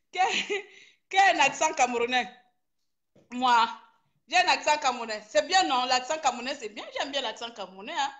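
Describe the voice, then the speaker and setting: A high-pitched woman from Gabon ranting on a live online stream. She scolds and confronts as she talks, with bursts of broken English. Her voice sits well above the usual woman's range. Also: expressive, normal speed, pauses often, a bit bright, highs cut off. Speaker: online activist. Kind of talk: live social media rant.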